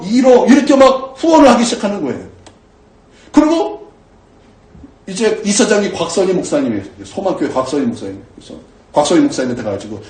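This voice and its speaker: A male pastor preaching a sermon, telling stories with lively delivery and acting out his own earnest prayers. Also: sits high, roomy sound, recorded from a distance. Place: church sanctuary.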